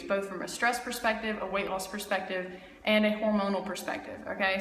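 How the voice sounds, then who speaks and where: A woman's voice: mid-range voice, a bit bright, slight background noise. A woman in her twenties, a health coach, giving a casual, emphatic talk to camera and often checking in with "okay?". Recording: echoey room with long reverb.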